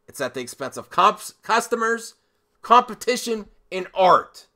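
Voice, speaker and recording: A man delivering an opinionated video commentary in an emphatic manner, leaning on dramatic pauses and repeated phrases. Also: on the high side, sharp tone. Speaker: host of a movie commentary channel.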